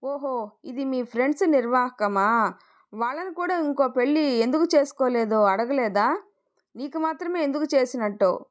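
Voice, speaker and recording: A woman's voice: sits high, expressive, normal speed, pitched above the performer's own voice. A woman voicing a stern, sarcastic older father in a storybook tale.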